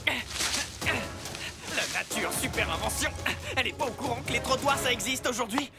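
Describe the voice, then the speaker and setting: Cartoon boy superhero: high-pitched, whiny and sarcastic, over loud music. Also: expressive, measured pace. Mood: excited, alarmed. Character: grumbling, sarcastic boy superhero who hates camping. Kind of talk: French cartoon dub acting.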